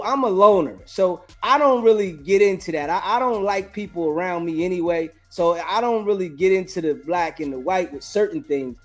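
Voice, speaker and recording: A male talk show host with a high voice reasons through his view in a casual call-in discussion. He circles back over phrases in an earnest, halting way, over faint background music.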